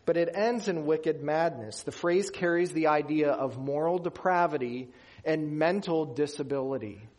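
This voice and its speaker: A man's voice: fairly high pitch, darkish tone. A man from Western Pennsylvania preaching a sermon in an earnest, emphatic way. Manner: earnest, emphatic preaching with slow deliberate pauses. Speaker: pastor.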